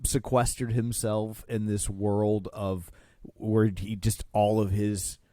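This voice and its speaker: A man's voice: on the low side, little pitch movement, slow, dark tone, dry recording, clean studio sound. A man on a film podcast panel giving casual opinions in a wry, emphatic way. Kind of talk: casual opinionated movie discussion.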